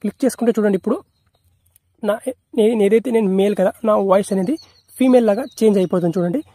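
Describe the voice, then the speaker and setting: A man's voice: high voice, fast talker, dark tone, no echo. A man narrating an app tutorial in a repetitive, instructional way, mixing in English tech terms.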